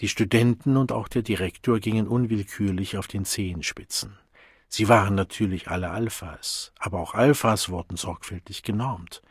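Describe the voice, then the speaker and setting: Rauchiger Hörbuch-Erzähler. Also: male voice, lowish voice, no echo, studio quality. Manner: measured, clear reading. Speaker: narrator. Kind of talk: audiobook narration.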